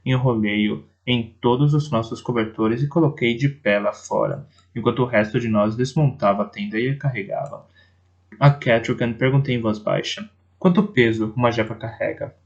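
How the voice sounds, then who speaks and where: A man's voice: mid-range voice, normal speed. A man reading an audiobook aloud, stumbling and correcting himself as he goes, recorded on a dull lo-fi setup. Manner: reads with restarts and self-corrections. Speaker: audiobook narrator.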